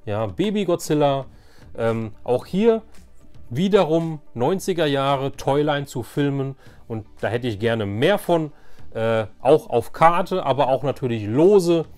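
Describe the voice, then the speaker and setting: Man, forties, video host. Mid-pitched, meandering, enthusiastic show-and-tell delivery over faint music. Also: expressive, unhurried, a little mellow. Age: 40s. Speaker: toy collector and video host. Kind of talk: casual unscripted show-and-tell.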